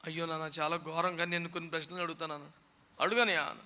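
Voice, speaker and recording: A man's voice: a little high, flat delivery, very fast, sharp tone, clean tone. A man preaching a sermon in a scolding, mocking way, often acting out the people he quotes. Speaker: pastor. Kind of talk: fiery sermon.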